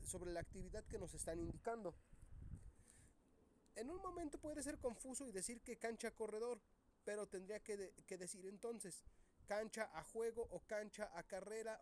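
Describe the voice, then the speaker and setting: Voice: medium pitch, a little hiss or hum. Teacher thinking aloud through exam answers. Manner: reads options aloud, thinks out loud. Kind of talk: classroom exam review.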